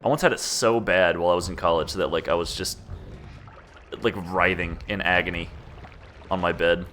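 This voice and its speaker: A chatty young man in his twenties with a fairly low voice, talking loosely through a gaming stream. He rambles and laughs at himself as he plays. A faint hiss sits under the recording. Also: fairly even intonation, moderate pace, a bit bright. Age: 20s. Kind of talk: casual gameplay commentary chatting with chat.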